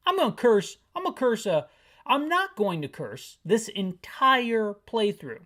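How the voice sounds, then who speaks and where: A man talks through a video game for listeners who can't see it. He describes each screen and wanders into wry, self-mocking tangents in a relaxed, chatty commentary. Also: high voice, a little slow. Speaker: gaming channel host.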